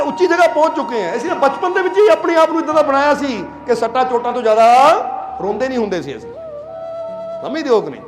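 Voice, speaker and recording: A man's voice: very high-pitched, roomy sound. A man from Punjab, India, giving a sermon as a spiritual leader, telling stories and often asking listeners if they understand. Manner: storytelling, plain conversational preaching. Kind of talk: sermon to a congregation.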